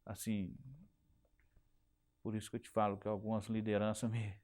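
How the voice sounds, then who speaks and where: A middle-aged telephone company technician with a Minas Gerais Brazilian Portuguese accent recalls his working life in an oral history interview, often repeating and restarting words. His voice is fairly low, monotone, and darkish, at a moderate pace.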